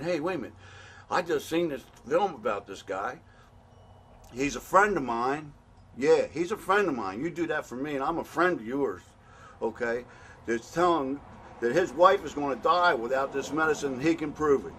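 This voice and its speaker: A middle-aged American man speaks in a plain, mid-pitched voice, blunt and worked up. He pleads and scolds by turns, stumbling over words and starting again, like a regular guy making a heated appeal. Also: a bit bright, a little hiss or hum. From United States. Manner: blunt, angry, pleading, with many restarts. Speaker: patient advocate. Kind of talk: impassioned spoken appeal.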